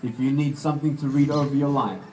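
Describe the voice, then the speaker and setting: A man giving an inspirational Christian talk in short phrases, pausing for an interpreter, in a large event hall. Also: mid-range voice, fairly even intonation, darkish tone. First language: English. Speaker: motivational speaker. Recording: distant mic with background noise.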